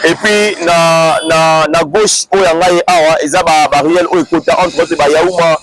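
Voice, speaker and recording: A man's voice: a little high, steady tone, normal speed, over a noisy crowd, low-quality recording. A man with a Congolese French accent hosting a casual talk show, rambling with lots of fillers and restarts, recorded outdoors. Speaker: host. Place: outdoors in a busy street area.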